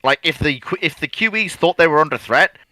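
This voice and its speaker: Bright-voiced man on a panel. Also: on the high side, expressive, brisk, no echo. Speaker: guest panelist. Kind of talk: casual explanatory discussion.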